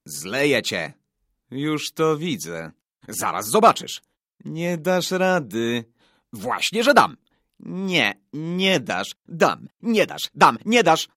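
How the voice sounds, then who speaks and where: A man's voice: on the low side, big pitch swings, extremely slow, bright, forceful tone, dry recording, studio quality, full character voice. A man voicing cocky, quarrelsome young boys in a story, taunting and boasting childishly. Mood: defiant. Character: cocky, quarrelsome young boy spoiling for a fight.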